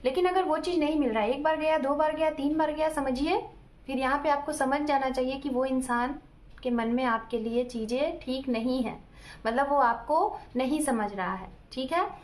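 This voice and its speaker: A woman's voice: high-pitched, normal speed. A woman tarot reader giving casual relationship advice, talking straight to her viewers and explaining with everyday examples. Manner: explains with everyday examples, often checks in with "ठीक है"; addresses viewers directly.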